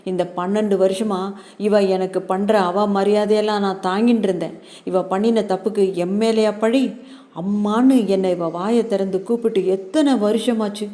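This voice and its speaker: A woman's voice: mid-range voice, steady tone, moderate pace, warm tone, lightly acted. A woman voicing an angry, aggrieved older mother who scolds and pities herself in a long tirade. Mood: bitter scolding. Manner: scolding, self-pitying tirade.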